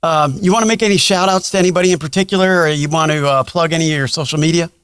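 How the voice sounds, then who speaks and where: Higher-voiced man hosting a podcast. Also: racing, fairly bright tone, clear, resonant tone, no room sound. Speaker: podcast host. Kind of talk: casual chat.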